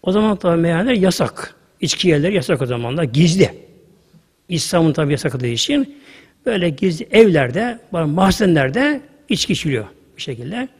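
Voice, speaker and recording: Man, preacher, husky, long hall reverb. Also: a little high, very animated, a little fast. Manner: storytelling with sudden loud rises and hushed asides. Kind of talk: sermon.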